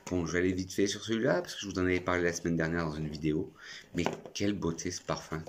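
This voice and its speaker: A man's voice: low voice, steady tone, fast talker, noisy background. A French man reviewing perfumes in a chatty, effusive vlog. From France. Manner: chatty and effusive, talks to himself. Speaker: perfume youtuber.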